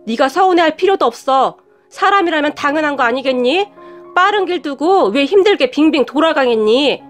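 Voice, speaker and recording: A cold, scornful middle-aged mother, as a woman narrator puts her on, snapping and scolding in a storybook reading. The voice sits high, with faint music underneath. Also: lively intonation, brisk. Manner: sharp, scolding, talks down.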